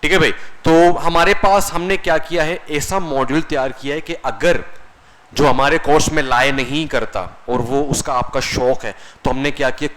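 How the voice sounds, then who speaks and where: A man's voice: mid-range voice, a bit bright, poor audio. A man teaching a classroom lecture as a computer course instructor, conversational, often asking the class questions and answering them himself.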